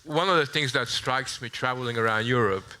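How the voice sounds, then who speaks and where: Hungarian-born guy on a debate panel, bright punchy voice, measured but emphatic, repeats words to stress stuff. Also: mid-range voice, a little hiss or hum, poor audio. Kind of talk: public panel debate speech.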